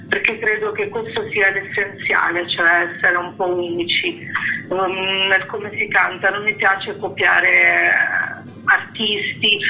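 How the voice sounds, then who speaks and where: Female singer in interview, very bright forceful voice, German accent, halting delivery, dull lo-fi sound. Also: mid-range voice. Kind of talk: conversational interview.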